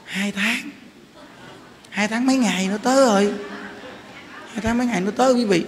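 A Buddhist monk, telling stories in a casual, animated sermon that speaks straight to his listeners. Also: high voice, a little fast. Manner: animated, laughing, addresses listeners directly. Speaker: Buddhist monk giving a dharma talk. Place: temple hall. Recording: reverberant hall, faint background noise.

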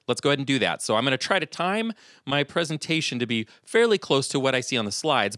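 A middle-aged man hosting a software tutorial, calmly walking through each step at his computer. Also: medium pitch, dry recording, clean studio sound. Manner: calm step-by-step explaining. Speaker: video tutorial host. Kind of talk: screen-recorded software tutorial.

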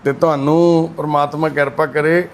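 A man who hosts at a care home, chatting and gently soothing with repeated reassurance. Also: a little high, little pitch movement, moderate pace, a little hiss or hum. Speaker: care home volunteer host. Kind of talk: casual chat.

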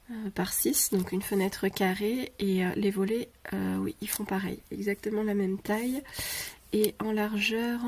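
A woman's voice: mid-range voice, a little mellow. A woman with a cold and a stuffy voice, chatting casually as she unboxes craft gifts on camera and hesitating often. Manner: hesitant, many pauses and "euh" fillers. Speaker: craft vlogger. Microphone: camera over a tabletop, speaker off-frame. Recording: paper crinkling and clicks behind.

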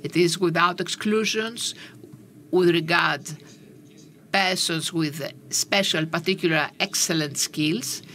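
A woman giving simultaneous interpretation of a panel discussion, with a halting, measured delivery and frequent pauses. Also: lowish voice, steady tone, sharp tone, slight background noise. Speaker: conference interpreter.

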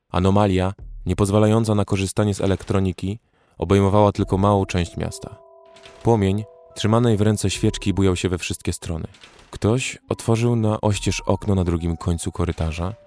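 An actor narrating in first person as a young male survivor in a horror audio drama, with a measured storytelling delivery. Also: low-pitched, darkish tone, natural voice.

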